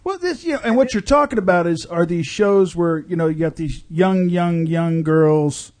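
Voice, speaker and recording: A man's voice: high voice, normal speed, darkish tone. A man co-hosting talk radio in a casual, conversational way, circling into his points. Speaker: radio co-host.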